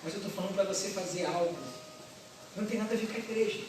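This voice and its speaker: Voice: mid-range voice, quick pace, recorded from a distance, noisy background. A pastor preaching a passionate sermon, emphatic and repetitive, firing rhetorical questions at the congregation. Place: large echoey church hall. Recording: echoey hall, recorded from afar.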